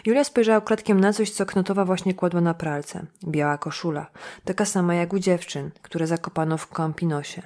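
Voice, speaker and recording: A woman narrating a thriller audiobook with steady, even, scripted reading. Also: on the low side, fairly quick.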